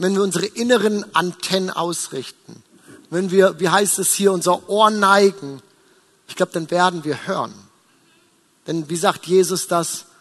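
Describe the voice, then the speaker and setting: A man talks very slowly in a high pitch, his pitch varying in an ordinary way. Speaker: preacher. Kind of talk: sermon. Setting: church. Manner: earnest, direct appeal to the listener; warm, storytelling, conversational.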